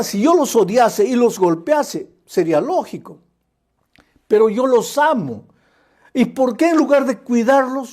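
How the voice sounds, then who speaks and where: A male pastor preaches in a mellow, darkly warm voice. He speaks earnestly and in measured phrases, with short pauses, and talks directly to the listener as you. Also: high voice. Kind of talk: sermon.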